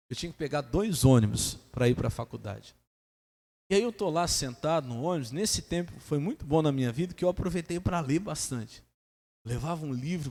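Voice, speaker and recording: A man with a high-pitched voice preaches from a church pulpit, with a long reverb trailing every phrase. He tells his story in bursts, dropping to a near-murmur and then surging into loud rhetorical questions. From Brazil. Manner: animated, asks the congregation rhetorical questions, swings between hushed and loud. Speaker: pastor. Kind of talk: storytelling sermon. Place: church hall.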